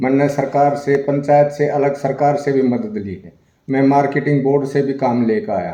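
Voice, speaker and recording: This man has a dark, mellow tone and ordinary pitch variation. He talks at a moderate pace. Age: 60s. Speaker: village council representative and local party official. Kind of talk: interview.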